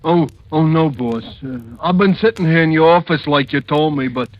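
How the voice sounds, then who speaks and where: An actor playing an addled, punch-drunk former boxer and trainer in a 1940s radio drama, stammering and confused, on a muffled vintage broadcast. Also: male voice, on the high side, normal speed, slight background noise, close to an everyday voice.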